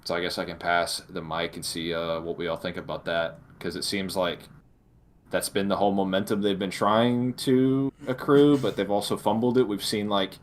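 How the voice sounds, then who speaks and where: A male podcast co-host with a fairly deep-pitched voice talks casually through the news. He speaks in a halting way, as if working out his thoughts aloud. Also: steady tone, slight background noise. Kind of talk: casual discussion of film news.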